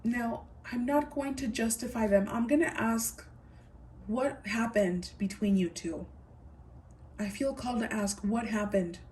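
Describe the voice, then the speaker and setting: A woman reads tarot cards for her viewers at a slow, unhurried pace. She muses aloud and circles back over the same phrases. Her voice is picked up from a little distance, with a faint hum of background noise. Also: on the high side, darkish tone. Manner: musing, repeats phrases, addresses viewers directly. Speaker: tarot reader. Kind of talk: pick-a-card tarot reading.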